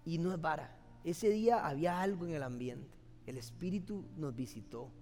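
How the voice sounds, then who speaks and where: A man's voice: fairly high pitch, normal speed, mellow, soft background music. A man with a Costa Rican accent preaching an impassioned, emotional sermon as a pastor. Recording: long hall reverb.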